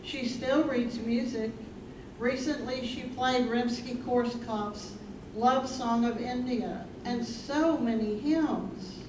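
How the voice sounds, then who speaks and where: A woman performing as a measured, sombre narrator in a staged reading. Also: fairly high pitch, steady tone. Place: live staged reading in an echoey room. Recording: roomy, distant, noisy stage recording.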